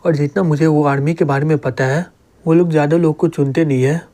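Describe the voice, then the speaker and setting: A man's voice: fairly high pitch, steady tone, brisk, mellow, natural voice. A man voicing a jealous, scheming young man who gloats in his thoughts. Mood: gloating.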